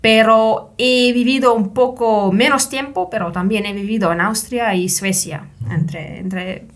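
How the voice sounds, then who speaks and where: Brief: woman from Finland, interview guest, mid-pitched, careful and self-correcting. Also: steady tone, unhurried. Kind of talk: conversational interview.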